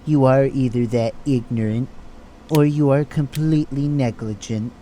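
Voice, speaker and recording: A man playing a stern, condescending hospital chief of staff in an audio drama, formal and measured. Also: medium pitch, noisy background, lightly acted. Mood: stern, dismissive.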